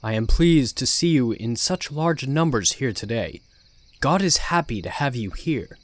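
A man voicing a charismatic male cult prophet in his forties, preaching slowly with an authoritative yet kind tone. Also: mid-range voice, animated, dry recording, close to an everyday voice. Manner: slow, authoritative sermon-like delivery.

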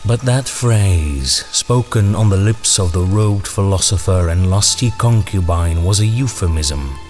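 A slow, sinister, courtly ringmaster. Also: male voice, low-pitched, animated, a little mellow, soft background music. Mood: predatory, insinuating. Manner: theatrical, archaic, deliberate phrasing. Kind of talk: audio drama acting.

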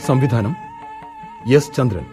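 A man with a Malayali accent, giving a measured, formal radio announcement of credits. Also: medium pitch, lively intonation. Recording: radio broadcast with music behind.

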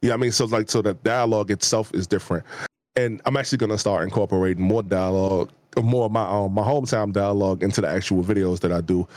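Man, 40s, D.C. accent, low voice, dry sound, casual rambling guest. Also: fast, no echo. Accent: Washington, D.C. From Washington, D.C. area. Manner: relaxed, rambling with many fillers and restarts. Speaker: YouTube gaming creator, guest. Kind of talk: casual interview talk.

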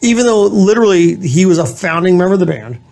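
A high-voiced man with a New England accent, joining a friend for a casual chat over drinks. He is sarcastic and jokey and slips into put-on voices for comedy. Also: sing-song, fast, creaky, darkish tone. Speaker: co-host.

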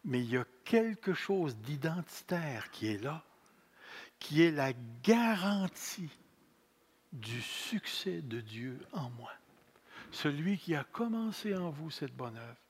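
Slow-preaching Québécois pastor in his sixties. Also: fairly high pitch, husky. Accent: Québécois French. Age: 60s. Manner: slow, deliberate preaching with repeated phrases and self-mocking humor. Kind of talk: sermon.

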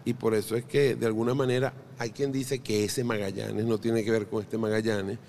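A middle-aged Venezuelan man, guesting on a podcast, chats casually in a lowish, level voice at normal speed, with vocal fry and a slightly mellow tone. He tells anecdotes laced with jokes and restarts often, and there's a little hiss or hum in the recording.

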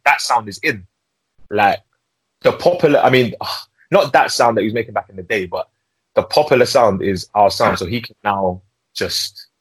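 Young man, London roadman accent, slangy podcast chat, low-pitched, slightly husky, repetitive phrasing. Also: a bit bright, dry recording, poor audio. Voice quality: urban London street slang delivery. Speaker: podcast host. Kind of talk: casual music podcast chat.

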